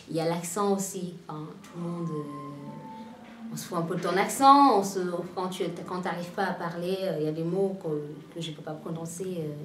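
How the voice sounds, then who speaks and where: Cameroonian teen girl telling her story, kinda low voice, stops and starts, echoey room, mic a bit far off. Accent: Cameroonian French. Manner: halting, searching for words. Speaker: interviewee. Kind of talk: personal testimony. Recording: roomy, distant mic, faint background noise.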